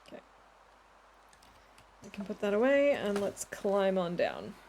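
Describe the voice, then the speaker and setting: A woman's voice: medium pitch, wildly swooping pitch, measured pace, a little mellow, a little hiss or hum. A woman streaming a game in casual chat, answering her chat and laughing often as she talks. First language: English. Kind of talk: casual chat while playing.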